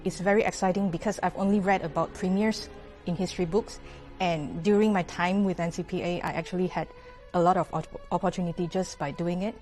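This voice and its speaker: A young woman from Malaysia speaks with a rather low voice. She answers interview questions in a relaxed, thoughtful way, pausing on fillers and restarting words. Soft music plays faintly underneath. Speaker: orchestra horn player, guest.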